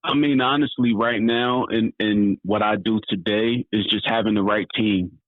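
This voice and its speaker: A man's voice: lowish voice, steady tone, moderate pace, no echo. A man in his thirties chatting casually as an interview guest. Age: 30s. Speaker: interview guest, author and entrepreneur. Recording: thin phone-like, band-limited line.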